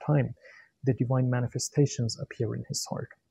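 In a Persian accent, a man talks in a dark, mellow tone that is somewhat breathy, with fairly even intonation and a dry sound with no echo. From Iran. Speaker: poetry interpreter. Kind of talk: lecture. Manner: halting. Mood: calm, reflective. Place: home room.

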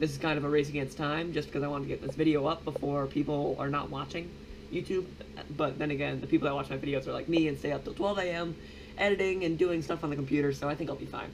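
Over light background noise, a man talks at a very fast pace. His intonation is fairly even. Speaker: vlogger. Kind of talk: casual vlog chat. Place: home room. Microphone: phone near.

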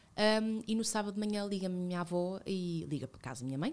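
A woman at a moderate pace. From Portugal. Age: 30s. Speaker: entrepreneur and mother; podcast guest. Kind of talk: casual interview conversation. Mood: reflective, personal story. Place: studio. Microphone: studio mic.

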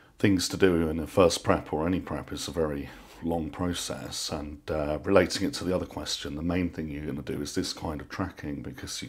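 Speaking at a fairly quick pace, a man with a very deep, low pitch and vocal fry keeps his intonation fairly even. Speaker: fitness vlogger. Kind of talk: Q and A vlog chat. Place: home room. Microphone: lapel.

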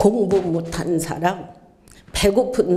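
Very slow in pace, a woman speaks at a fairly low pitch. Her intonation is lively. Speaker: donor, retired restaurateur and farmer. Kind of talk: interview answer. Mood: earnest, reflective. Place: meeting room. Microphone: lapel.

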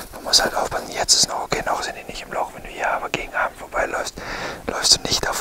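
A man is whispering. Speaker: professional hunting guide. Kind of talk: hushed field commentary. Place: open country. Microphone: lapel.

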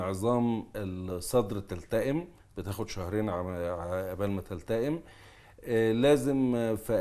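This man's voice is fairly low, with a dark, mellow tone. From Egypt. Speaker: heart surgeon; guest. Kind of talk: TV health interview. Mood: calm, explanatory. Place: studio. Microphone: lapel.

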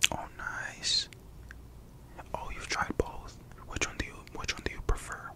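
A man is whispering. His pace is fairly slow. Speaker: ASMR artist. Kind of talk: ASMR role play, personal attention. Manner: whispered. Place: home room.

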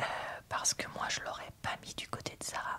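A whispered voice. It is soft-spoken. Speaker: book reviewer. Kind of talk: casual book review, reading a summary aloud. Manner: soft ASMR whispered commentary.

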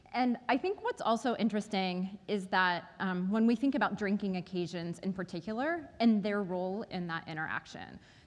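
A woman speaks at a moderate pace with hardly any pauses and ordinary pitch variation. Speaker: market research executive. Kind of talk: conference presentation with data. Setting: stage with audience. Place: stage. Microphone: lapel.

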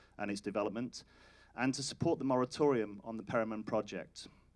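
Recorded very cleanly against a silent background, a man with an English accent speaks at a medium pitch and a fairly quick pace. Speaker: public commenter. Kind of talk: public testimony. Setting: council public hearing.

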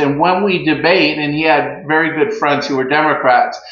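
Audible room echo hangs around this voice. A man talks at a moderate pace. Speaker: healthcare worker commenting on politics. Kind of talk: casual vlog commentary. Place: home room. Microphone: phone near.

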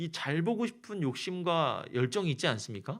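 A man at a fairly slow pace, animated in tone with very wide pitch swings, on a very clean recording with a silent background. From South Korea, Pyeongtaek, Gyeonggi. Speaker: youth pastor. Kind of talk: sermon. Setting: church service, in person and streamed.

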